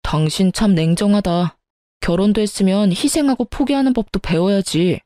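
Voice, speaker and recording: A woman voicing a husband who defends his mother and snaps at his wife, in a mellow, dry voice. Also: mid-range voice, normal speed, no echo, close to an everyday voice. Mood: irritated. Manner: irritated, accusing. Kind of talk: storytelling radio.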